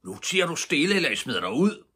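A man voicing a proud, loud robber chief father in a storybook reading. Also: deep voice, animated, exaggerated voice. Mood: roaring.

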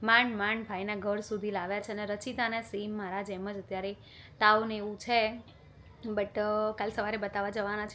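A woman's voice: medium pitch, slight background noise. A young woman talking casually to camera in a family vlog at home, filmed on a phone. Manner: chatty, talks warmly to a small child then softly to camera. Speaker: vlogger.

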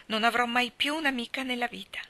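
A woman's voice: fairly high pitch, fairly quick, bright, forceful tone, voice pushed up. A woman voicing a dramatic, sentimental orphan girl who talks in a gushing, theatrical way. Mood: despairing.

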